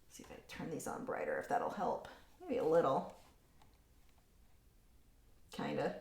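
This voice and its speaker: A woman's voice: low-pitched, huge pitch swings, measured pace, gravelly, a little mellow, roomy sound. Chatty woman teaching painting live. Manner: casual, chatty, reading viewer comments aloud. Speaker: art instructor. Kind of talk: live painting tutorial with chat.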